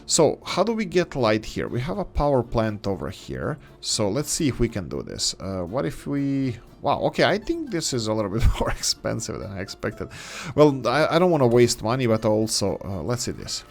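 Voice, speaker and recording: A man hosting a gameplay video who thinks aloud as he plays, speaking English as his third language and often pausing with fillers and restarts. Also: medium pitch, huge pitch swings, creaky, faint music behind. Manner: hesitant, many fillers and restarts. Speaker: game let's-play host.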